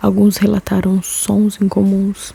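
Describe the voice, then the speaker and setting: This soft-spoken woman has a calm tone and a medium pitch with ordinary pitch variation. She talks at a fairly slow pace over noticeable background noise. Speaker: ASMR creator. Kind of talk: ASMR true crime narration. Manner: soft-spoken, calm pace.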